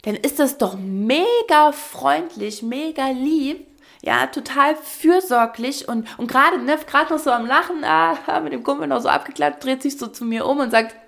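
Young woman chatting on a podcast, a bit gravelly, kinda high, tells stories and acts out the quotes. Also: normal speed. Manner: lively storytelling, acts out quotes. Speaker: podcast co-host. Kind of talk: casual chat.

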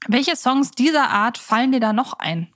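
A woman's voice: on the high side, lively intonation, moderate pace, a bit bright. Woman chatting as podcast co-host. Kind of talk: casual fan podcast chat.

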